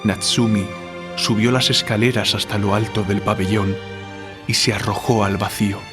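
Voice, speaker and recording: Male actor as a guilt-ridden writer, deliberate and literary, lower register, music underneath, for audio drama. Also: level tone, natural voice. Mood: solemn narrating.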